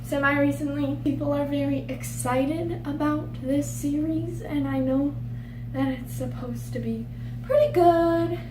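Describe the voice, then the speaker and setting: A woman's voice: sits high, steady tone, unhurried. A young woman talking casually to camera about books she wants to read, chatty and rambling, often stumbling over names. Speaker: book vlogger. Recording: roomy echo, distant mic, noticeable hum.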